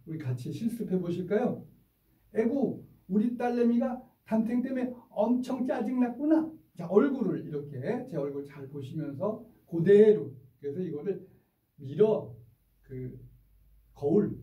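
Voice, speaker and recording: A man teaching a class for parents, lively and playful, who acts out the lines of parents and children and has the audience repeat phrases after him. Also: on the high side. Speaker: school teacher lecturing parents. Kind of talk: parent education lecture. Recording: distant, roomy, dull lecture recording.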